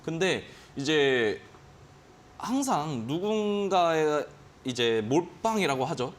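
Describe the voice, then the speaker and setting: A man instructs viewers on short-term stock trading in a studio lesson. His voice sits a bit high and swings widely as he acts out quick inner reactions to price moves. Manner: animated, acts out his own gut reactions with quoted exclamations. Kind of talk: explaining day trading to students on a finance broadcast. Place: broadcast studio.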